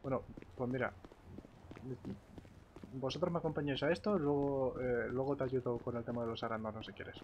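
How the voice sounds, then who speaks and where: A man from the gaming world with a Spain accent, mid-pitched. He chats casually in roleplay, halting as he works out his thoughts, with some noise behind him. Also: steady tone, dull audio. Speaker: gamer role-playing online. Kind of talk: casual in-game roleplay chat.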